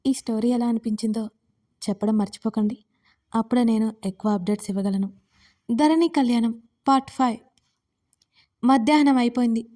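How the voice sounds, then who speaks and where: A woman narrating a romance story in a calm, steady reading voice. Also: a little high, a little fast, pauses often.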